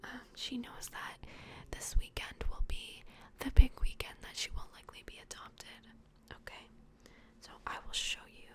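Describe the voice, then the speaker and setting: A woman doing a soft-spoken, whispered ASMR personal-attention roleplay as an adoption worker, gentle, hushed and reassuring. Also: normal speed. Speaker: ASMR roleplay host playing a plush toy adoption worker.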